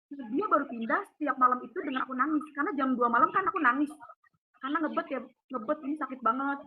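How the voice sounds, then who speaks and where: A woman tells her faith testimony over a call, in an emotional, rushed, vivid way. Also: sits high. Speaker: guest giving a faith testimony. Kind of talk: casual storytelling over a call. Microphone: phone or video call. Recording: tinny phone line with faint hiss.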